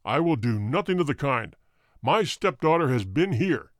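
A man's voice: medium pitch, sing-song, moderate pace, fairly bright tone, no room sound, studio quality. A man voicing a huge, fierce old country doctor who snarls threats furiously.

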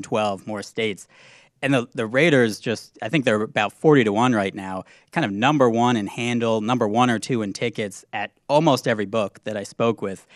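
A man guest on a sports betting podcast, talking through odds in a measured, analytical way. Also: fairly low pitch, no echo, studio quality. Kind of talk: casual podcast chat.

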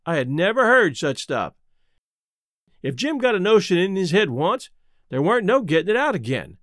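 A folksy boy from the played by a man tells his story in plain colloquial words. The voice is fairly high, animated in pitch and recorded very dry, in audiobook style. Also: normal speed, no room sound. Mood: matter-of-fact. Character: Huck, a folksy, matter-of-fact adolescent Southern boy narrator. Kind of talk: first-person audiobook narration.

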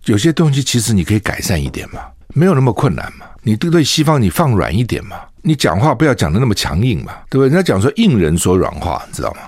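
A man's voice: medium pitch, very animated, quick pace, few pauses, darkish tone, husky, no echo, clean studio sound. An older man from Taiwan, a radio talk show host, giving opinionated commentary full of scolding rhetorical questions. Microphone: studio microphone.

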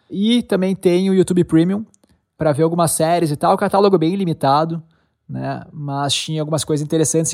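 A man's voice: fairly high pitch, a little mellow. A man with a Brazilian accent hosting a podcast in an informal, agreeable way. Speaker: podcast host. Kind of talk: casual podcast chat.

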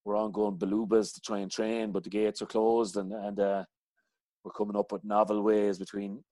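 A middle-aged man from County Clare speaks with a west of Ireland accent. His voice sits on the low side, recorded dry with little room sound. He chats casually and colloquially, wandering through his anecdotes. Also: little pitch movement, normal speed, mellow, dry recording. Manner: colloquial, rambling storytelling. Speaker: interview guest, hurling coach.

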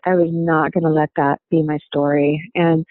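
A woman speaks in a level, even tone that barely rises or falls. She talks reflectively and haltingly, filling her pauses with "you know." The sound is thin and phone-like, with no room echo at all. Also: sits low. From United States. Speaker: interviewee. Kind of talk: personal storytelling. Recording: dry, tinny phone-like sound.

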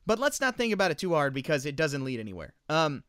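A man's voice: a little high, sing-song, fast, fairly bright tone, smooth, no room sound, studio quality. A man hosting a podcast, chatting casually with amused, emphatic commentary. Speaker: podcast host. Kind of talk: casual chat with enthusiastic commentary.

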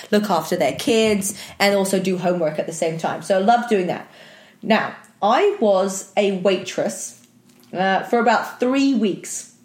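Young woman, husky tired voice, chatty upbeat podcast host, echoey room. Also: mid-range voice. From Britain. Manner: chatty, upbeat, self-deprecating. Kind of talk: casual motivational podcast monologue.

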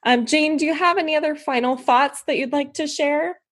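A woman's voice: sits high, moderate pace, a bit bright. A woman hosting a podcast, talking reflectively with frequent fillers. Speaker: podcast host. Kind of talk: casual interview chat.

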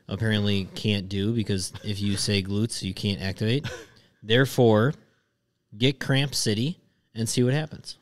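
A man co-hosting a podcast, teasing and joking casually while giving exercise tips. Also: fairly low pitch. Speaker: podcast co-host.

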